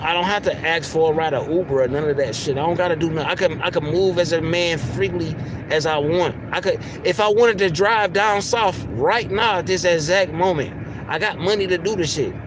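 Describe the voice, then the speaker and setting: Guy with a high squeaky soft voice going off on a heated live rant, cussing, street and car noise behind. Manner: heated, profane, repeats words when worked up. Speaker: livestream host. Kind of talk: ranting livestream monologue.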